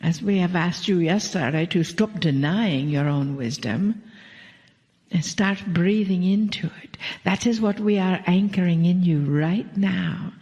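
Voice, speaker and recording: A woman channeling a spiritual message to a live audience, speaking slowly and drawing out her words, often dropping into soft whispered phrases. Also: fairly low pitch. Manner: slow, drawn-out delivery with soft whispered phrases. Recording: echoey hall, dull lo-fi sound.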